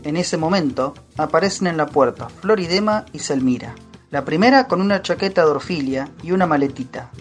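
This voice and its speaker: A woman narrates a radio play in a low register. She reads scripted stage action, and faint music sits behind her voice. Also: expressive, brisk.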